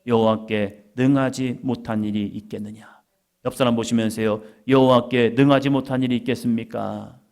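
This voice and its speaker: A male pastor preaching, acting out scripture dialogue in a slow, drawn-out, homey voice. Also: medium pitch, fairly even intonation, darkish tone. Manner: dramatizing God's words in a slow, drawn-out homey voice. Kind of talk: sermon.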